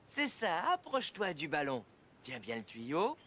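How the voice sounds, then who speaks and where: A man's voice: fairly high pitch, wildly swooping pitch, unhurried, noisy background. An actor playing a patient, cheerful cartoon father who reassures his son. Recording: clear music underneath.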